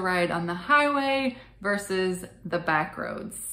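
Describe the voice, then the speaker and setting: Audible room echo hangs on words delivered at a very slow pace. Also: woman. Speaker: motorcycle vlogger. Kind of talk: casual vlog chat. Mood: cheerful, laughing at herself. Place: home room. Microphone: phone near.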